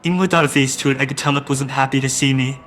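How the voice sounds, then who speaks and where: A man's voice: mid-range voice, fairly even intonation, rapid-fire, fairly bright tone, slight background noise. A man narrating a first-person audio drama in a wistful, doting way that grows uneasy.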